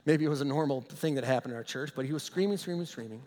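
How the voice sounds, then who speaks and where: A man's voice: mid-range voice, very fast, dark tone, big-room sound. A man preaching a sermon as pastor, telling stories emphatically with frequent chuckles.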